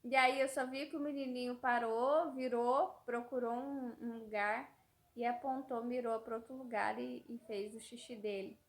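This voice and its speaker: High, gravelly Brazilian mom vlogger. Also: female voice, steady tone, normal speed. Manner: rambling, repeats words, trails off. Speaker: mother vlogger. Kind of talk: casual storytelling vlog.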